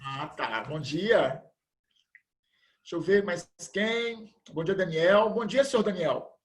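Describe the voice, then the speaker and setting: A man's voice: sits high, animated, takes it slowly. A man teaching a school class over a video call, greeting students one by one and joking around. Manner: playful, jokey, greets everyone by name. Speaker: biology teacher. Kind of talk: casual online class chat.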